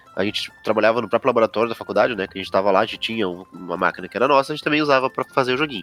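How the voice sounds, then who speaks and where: A man talks at a very fast pace with very wide pitch swings while music plays in the background. The sound is dry and close with no echo. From Rio de Janeiro, Brazil. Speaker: game developer. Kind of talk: casual podcast chat.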